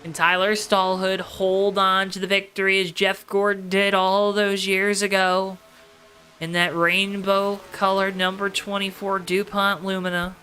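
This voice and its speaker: In a low-quality recording, a mid-range, level-toned voice delivers live racing commentary at a measured pace with a sharp edge. The play-by-play is dramatic, emphatic and repetitive, with vivid turns of phrase.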